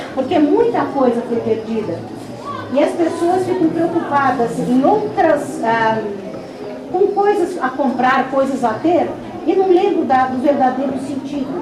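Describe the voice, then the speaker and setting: Against crowd noise and audible room echo, a woman with a high pitch speaks at a fairly slow pace with lively intonation. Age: 60s. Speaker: psychologist giving a talk about a medium. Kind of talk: public talk.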